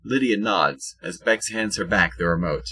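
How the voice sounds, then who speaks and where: A man with a husky voice reading scripted narration for an audio drama. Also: low-pitched, normal speed, sharp tone.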